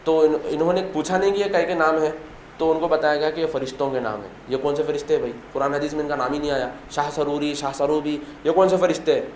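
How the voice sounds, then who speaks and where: A man recounting a religious story in an emphatic, repetitive way, throwing out rhetorical questions. His voice is a little high. The sound is roomy and echoey, with faint ambience underneath. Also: fairly even intonation, fast, a little mellow, a little hiss or hum. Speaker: religious speaker.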